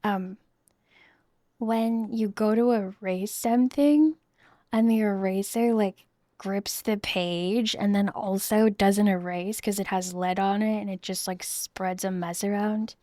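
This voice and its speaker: A woman in her thirties, chatting casually in a soft, rambling way while she draws on stream. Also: mid-range voice, fairly even intonation, takes it slowly, no echo, clean studio sound. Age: 30s. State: losing her voice. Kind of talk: casual chat while drawing.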